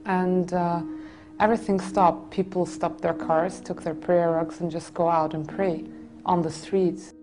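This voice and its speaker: A woman in her twenties from a Greek family in Germany, calmly recounting her own story in a seated studio interview. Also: lowish voice, a little slow, over music. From Greek family, born in Germany. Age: 20s. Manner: reflective, soft, with frequent restarts. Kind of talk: personal testimony interview. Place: indoor studio set with red curtains.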